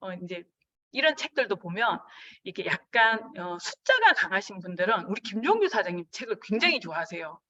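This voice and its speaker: Woman doing a seminar talk, bright punchy voice, acts out the dialogue, kinda muffled lo-fi audio. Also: medium pitch, a little fast, distant mic. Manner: animated, acts out quoted dialogue. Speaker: business seminar speaker. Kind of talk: seminar lecture.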